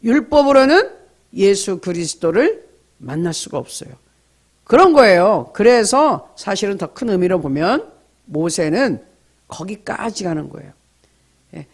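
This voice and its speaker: A middle-aged man preaches at a dawn prayer service, his voice sitting high for a man. He swings his delivery up and down, throws questions at the congregation and answers them himself, and slips into short quoted lines. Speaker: pastor. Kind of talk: early-morning prayer sermon.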